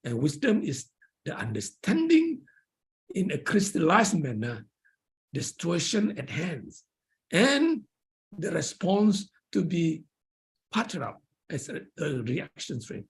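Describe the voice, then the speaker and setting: Male academic lecturer, Malaysian accent; very animated intonation, emphatic, leans on repeated key phrases. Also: on the high side, slow pace, creaky, pauses often. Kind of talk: academic lecture and question answering.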